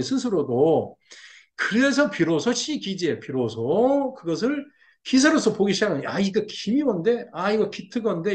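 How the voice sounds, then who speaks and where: A middle-aged man lectures on classical texts in a high, lively voice that swings widely in pitch. He repeats each term patiently and slips into animated acted-out asides to make his point. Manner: explains terms repeatedly, acts out reactions with animated asides. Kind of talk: explanatory lecture. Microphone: seen on camera.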